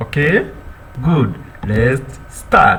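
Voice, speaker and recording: Over noticeable background noise, a man speaks at a fairly slow pace. His pitch is fairly high and his intonation lively. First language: Kikuyu. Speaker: language teacher. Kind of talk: tutorial. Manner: slow, repeating each word.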